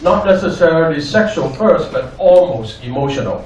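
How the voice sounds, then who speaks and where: An older man giving a lecture in short, deliberate, simply worded phrases. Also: a little high, animated, highs cut off, crowd noise. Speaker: guest lecturer, clinical psychologist. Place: echoey indoor venue. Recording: echoey, distant, noisy room.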